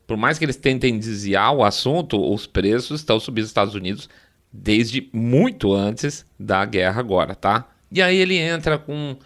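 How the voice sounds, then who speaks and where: A man's voice: mid-range voice, lively intonation, moderate pace, fairly bright tone. A man with a Brazilian Portuguese accent giving sarcastic, opinionated political commentary on a podcast, often checking in with the listener. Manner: sarcastic, mocking, checks in with a frequent "tá?".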